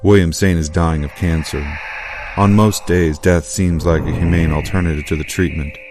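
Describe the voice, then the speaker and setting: Male trailer narrator, rock-bottom pitch, ominous, dramatic scripted read, music bed. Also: fairly even intonation, moderate pace. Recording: clear music behind voice.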